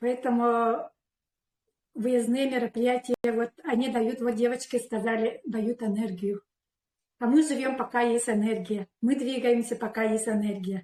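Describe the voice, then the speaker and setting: Her fairly high pitch carries a dark, mellow tone, with fairly even intonation and a fairly slow pace. The woman leaves long, frequent pauses, and the sound is dry and close with no echo. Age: 60s. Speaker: wellness product distributor. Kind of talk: casual chat.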